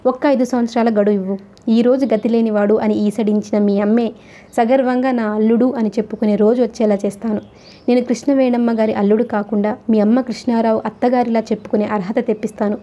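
A woman reading the lines of an earnest, protective young husband in a gentle but firm, low voice. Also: fairly even intonation, brisk, lo-fi sound, natural voice. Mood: resolute.

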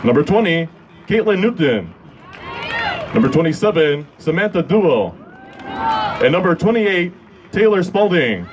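A man in his twenties announcing formally and with measured delivery as a sports PA announcer, into a handheld microphone. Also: fairly high pitch, very animated. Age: 20s. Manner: formal, measured, drawn-out names. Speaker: public address announcer. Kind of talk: stadium PA announcing, scripted intros. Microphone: handheld microphone held close. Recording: outdoor crowd and ambient noise behind.

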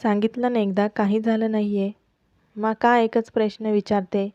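A woman's voice: mid-range voice, little pitch movement, moderate pace, dark tone, no room sound, lightly acted. A woman voicing a stern, worried mother-in-law who scolds her daughter-in-law curtly. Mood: scolding. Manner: scolding, curt. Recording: dull lo-fi, dry close mic.

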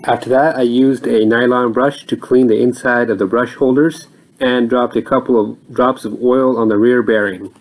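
Man calmly narrating a tool repair. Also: mid-range voice, moderate pace, low-quality recording. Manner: plain explanatory with fillers. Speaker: repair channel host.

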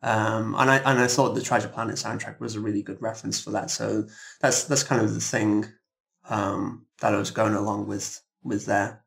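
Halting man with a fairly even tone. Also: on the low side, vocal fry. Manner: hesitant, halting, often repeats words. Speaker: guest, composer. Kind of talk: casual interview chat.

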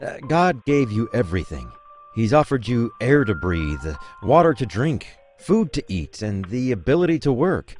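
A man plays a breezy hospital doctor in a comic audio drama. He is glib and chatty, with a mid-pitched voice that swings around a lot, over some music. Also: very animated, moderate pace, a little mellow, natural voice. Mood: earnest, upbeat. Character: breezy, corny male hospital doctor dispensing advice. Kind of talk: comedic audio sketch acting.

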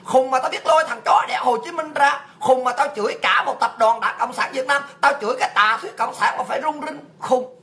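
A woman's voice: sits high, fairly quick, a bit bright, faint music behind. A woman from Vietnam hosting a livestream show, delivering an abusive, mocking tirade full of rhetorical questions. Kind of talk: livestream rant.

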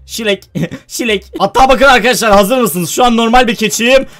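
A man hosting a gaming video, giving excited let's-play commentary, chatting with viewers and often breaking into shouted exclamations. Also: very high-pitched, moderate pace, soft background music.

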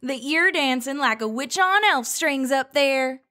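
A playful young ranger sister in an audio drama. She speaks slowly in a slightly high voice, with a sardonic edge as she needles her twin. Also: expressive, bright, forceful tone, heavily acted. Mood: teasing. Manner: teasing, sardonic.

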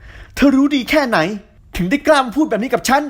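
A woman's voice: mid-range voice, lively intonation, quick pace, breathy edge, voice pushed up. A woman voicing a harsh, short-tempered young man who talks in curt, scornful lines. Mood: angry.

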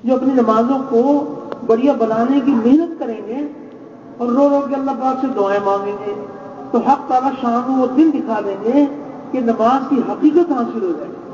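A man preaching a sermon, measured and exhorting, repeating key phrases. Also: extremely high pitch. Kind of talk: religious sermon. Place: large gathering space. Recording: echoey, distant, dull lo-fi with faint noise.

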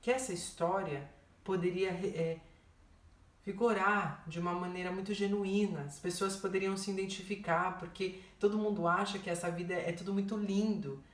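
A woman's voice: medium pitch, steady tone, moderate pace, distant mic. Emotional woman vlogger in an echoey room. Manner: heartfelt, repeats herself, addresses viewers as "gente". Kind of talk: emotional personal testimony.

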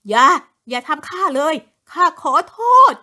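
A woman's voice: high voice, lively intonation, extremely slow, pushed and bright, full character voice. A woman voicing a cowardly village husband who pleads in a shaken voice. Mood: panicked.

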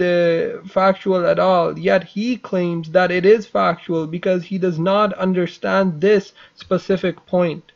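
A young man talks in a fairly high voice, with formal, accusatory wording that keeps catching on fillers. The audio is dull and lo-fi. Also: gravelly. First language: not Persian. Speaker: channel host. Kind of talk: unscripted commentary video.

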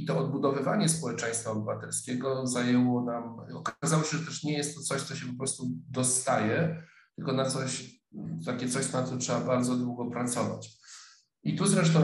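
Hesitant, thoughtful man in an echoey room. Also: medium pitch. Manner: thoughtful, hesitant, many fillers and restarts. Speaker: sociologist lecturer. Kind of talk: online lecture. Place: office room, indoors. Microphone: webcam video call.

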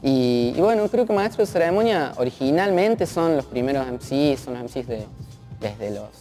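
A man's voice: medium pitch, expressive, moderate pace, dark tone. Young Cordobese man over faint music. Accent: Cordobese Argentine Spanish. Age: 20s. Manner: slangy, tentative, searching for words. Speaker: interview guest, freestyle rapper. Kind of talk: casual reflective chat. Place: large art gallery, indoors.

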